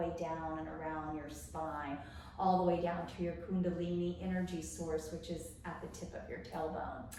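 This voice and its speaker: Fairly slow, monotone, flat delivery with audible room echo and noticeable background noise. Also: woman. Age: 50s. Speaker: yoga instructor. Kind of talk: tutorial.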